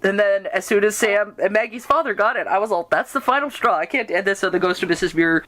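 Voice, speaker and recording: A woman's voice: mid-range voice, quick pace, fairly bright tone, no room sound. A woman hosting a casual fan interview, telling stories in an enthusiastic, rambling way. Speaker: podcast host and radio drama writer.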